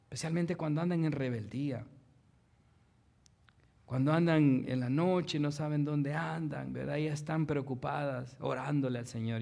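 A man preaching a sermon as pastor. He asks the congregation rhetorical questions, keeps tagging his lines with "¿verdad?", and swings from loud emphasis to soft, almost whispered passages. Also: mid-range voice, creaky.

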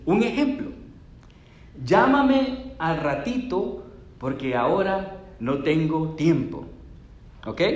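A man preaching a sermon as pastor, animated and emphatic, often asking his listeners questions. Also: on the high side, echoey room.

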